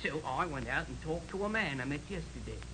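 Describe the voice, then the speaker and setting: A male servant played by an actor in an old radio drama, with a slightly high voice. He is plain-spoken and deferential, on a noisy vintage recording. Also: expressive, fairly quick, natural voice. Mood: respectful, uneasy. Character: deferential male servant giving his account. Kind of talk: 1940s radio acting.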